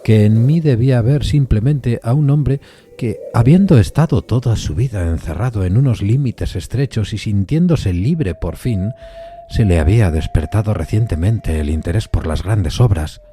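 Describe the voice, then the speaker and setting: Man acting courteous gentleman storyteller, very low pitch, velvety dark timbre, formal, hesitant, eerie audio drama. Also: expressive, normal speed, slight background noise, lightly acted. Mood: measured suspense. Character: intimidated, curious, courteous gentleman recounting an eerie encounter. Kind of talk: dramatized first-person suspense story narration.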